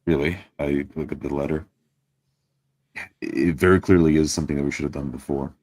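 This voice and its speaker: A man with an extremely low voice plays a tabletop roleplaying game. He moves between formal, courteous character speech and first-person narration. The sound is dry and close. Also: fairly even intonation, a little fast, darkish tone, dry recording.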